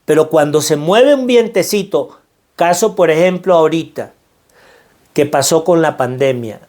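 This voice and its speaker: Earnest Venezuelan man, slightly high voice. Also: expressive, measured pace, darkish tone. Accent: Venezuelan Spanish. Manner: earnest, preacherly, repeats phrases for emphasis. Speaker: financial mindset speaker. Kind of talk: motivational talk.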